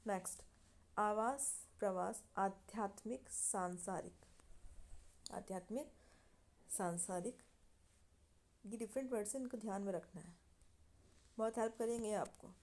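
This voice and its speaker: A woman's voice: medium pitch, unhurried, long pauses. A woman teacher reading out pairs of opposite words for an exam-prep lesson, adding short explanations. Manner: reads word pairs in a list, with short explanations.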